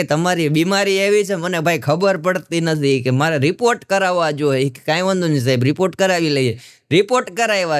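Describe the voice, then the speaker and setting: A man's voice: high voice, clear, resonant tone, no room sound, clean studio sound. A man with a Gujarati accent doing stand-up comedy for a live audience, telling jokes in a folksy storytelling manner and voicing the characters. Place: stage before a live audience.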